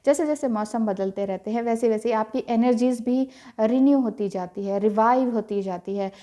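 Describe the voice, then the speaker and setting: A woman giving a gentle, reassuring tarot reading and mixing in English phrases. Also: fairly high pitch. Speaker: tarot reader.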